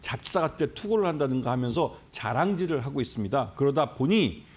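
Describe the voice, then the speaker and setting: A man appearing as a stock market analyst guest, explaining at length in an earnest, steady way. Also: medium pitch, fast. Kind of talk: explanatory commentary.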